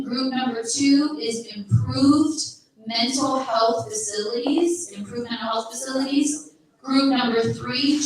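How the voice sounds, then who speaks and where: A woman leads a workshop in a big conference room with an upbeat, encouraging delivery, repeating her instructions. Her fairly high voice rings back from the walls and sits at a distance from the mic. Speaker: workshop facilitator. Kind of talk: leading a live workshop. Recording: echoey room, voice from far off.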